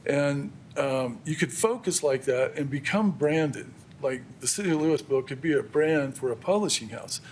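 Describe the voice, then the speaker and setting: A man's voice: medium pitch, animated, normal speed, hardly any pauses, darkish tone, a little hiss or hum. An American man giving an extemporaneous public comment at a council meeting. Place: council chamber.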